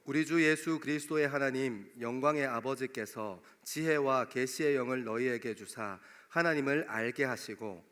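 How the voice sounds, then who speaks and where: Korean pastor with a regional dialect. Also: male voice, medium pitch, moderate pace, hardly any pauses, fairly bright tone, a little hiss or hum. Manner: conversational, jokes with the congregation. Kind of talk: sermon. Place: church sanctuary. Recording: long hall reverb.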